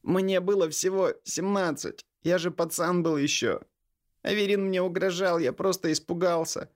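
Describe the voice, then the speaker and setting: A man's voice: sits high, steady tone, moderate pace, pitched above the performer's own voice, lightly acted. A man putting on a whimpering cowardly younger brother. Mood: pleading, terrified. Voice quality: whiny, trembling. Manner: pleading and whimpering. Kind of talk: audiobook character voice.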